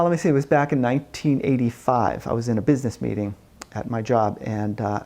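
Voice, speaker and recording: A retired older man at home, recalling events in a plain, steady way for a documentary interview. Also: medium pitch, creaky.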